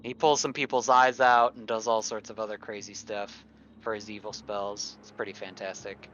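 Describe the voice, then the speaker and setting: A man's voice: lowish voice, little pitch movement, normal speed, fairly bright tone. A man chatting casually off the cuff as a player on a gaming podcast, rambling in a wry way. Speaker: tabletop game player. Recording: dull lo-fi call, faint noise.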